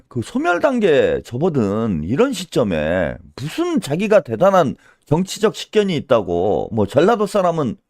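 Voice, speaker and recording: A man's voice: a little high, darkish tone, dry recording, clean studio sound. Scolding man firing rhetorical questions. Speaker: political commentator. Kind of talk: solo political commentary.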